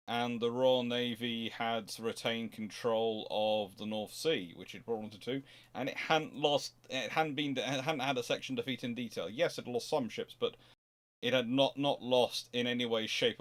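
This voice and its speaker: A man's voice: on the low side, fairly bright tone. Man informally explaining on a livestream. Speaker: host answering viewer questions.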